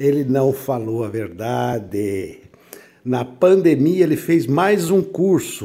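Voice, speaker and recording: A man's fairly high-pitched voice carries a dark, mellow tone. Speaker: listener sending audio message. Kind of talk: recorded audio message to the show.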